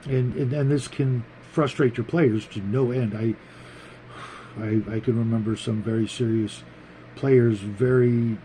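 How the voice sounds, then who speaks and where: A man hosting a tabletop gaming show, talking casually to viewers in a halting way, thinking aloud and repeating words. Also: mid-range voice, steady tone, mellow, slight background noise, poor audio. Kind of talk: casual, rambling opinion talk to viewers.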